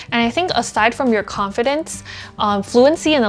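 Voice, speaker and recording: A woman with a Chinese accent, music in the background. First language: Mandarin Chinese. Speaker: software engineer and YouTuber. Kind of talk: casual chat.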